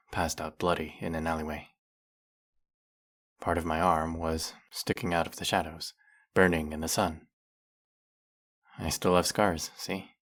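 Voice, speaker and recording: A man playing a brooding, centuries-old vampire who hunts his own kind, speaking in a measured, dramatic roleplay monologue with a gravelly voice. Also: exaggerated voice. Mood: haunted, somber. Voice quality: gravelly, low. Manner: slow, measured, dramatic pauses.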